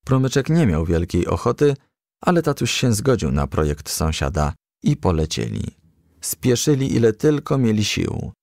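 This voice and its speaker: A man reading a children's story aloud in a gentle storytelling manner. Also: fairly low pitch, sing-song, moderate pace, gravelly, no echo, clean studio sound. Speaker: audiobook reader.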